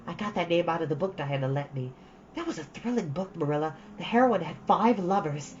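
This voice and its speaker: A woman's voice: on the low side, expressive, fairly quick, a little mellow, natural voice. A woman voicing a dreamy, romantic, chattering young girl in a storybook, gushing with dramatic earnestness. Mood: proud, enchanted. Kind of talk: storybook read-aloud. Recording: dull, lo-fi, faint background noise.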